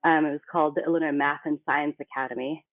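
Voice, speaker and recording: A woman's voice: sits low, steady tone, fast. A woman from the Philippines, a company CEO, talking casually as a podcast guest in a chatty, self-deprecating way. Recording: tinny phone-like remote line.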